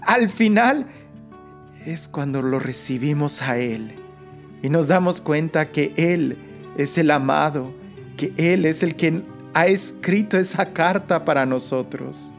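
A woman leading a Christian prayer meditation in the soothing, unhurried manner of a sleep story narrator, pausing between short phrases. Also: low-pitched. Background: music.

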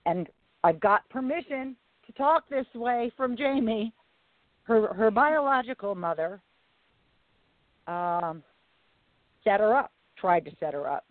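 A woman hosting a live talk radio show in a low, raspy voice, speaking deliberately and leaning on phrases for emphasis. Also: expressive, dry recording. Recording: tinny phone-line radio audio.

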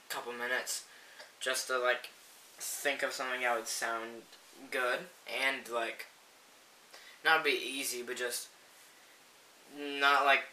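A man's voice: mid-range voice, pushed and bright. A man as a guest in a casual chat, explaining things hesitantly and rambling with many fillers. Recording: roomy, distant mic, faint hiss.

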